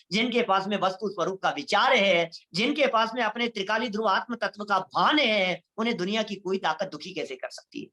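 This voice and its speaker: Bright-voiced man giving a lively sermon. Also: sits high. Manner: addresses listeners as bhai sahab, acts out quoted voices. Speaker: Jain lecturer. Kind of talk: devotional sermon. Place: online lecture series.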